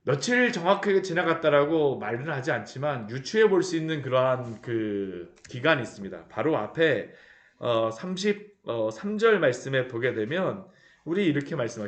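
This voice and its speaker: A man preaching a sermon as pastor, animated and asking the listeners rhetorical question after rhetorical question. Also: medium pitch, fairly quick, roomy sound. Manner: animated, acts out the people he describes. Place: church sanctuary.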